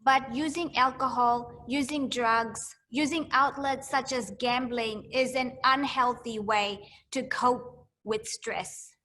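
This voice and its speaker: A woman's voice: fairly high pitch, steady tone, slow pace, few pauses, sharp tone, a little hiss or hum. A woman giving an educational talk to students, repeating phrases to drive home her points. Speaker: mental health educator.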